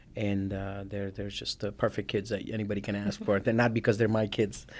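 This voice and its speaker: The speaker talks at a moderate pace in a Gujarati accent. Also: man. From India. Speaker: real estate agent and investor. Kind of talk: interview.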